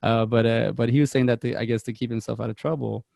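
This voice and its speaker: A man's voice: medium pitch, fairly even intonation, fast, creaky, a little mellow, no echo, studio quality. A man co-hosting a movie podcast, chatting casually with lots of restarts and laughter. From Mexican heritage. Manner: rambling, laughing, stumbling restarts. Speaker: podcast co-host. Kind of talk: casual chat about movies.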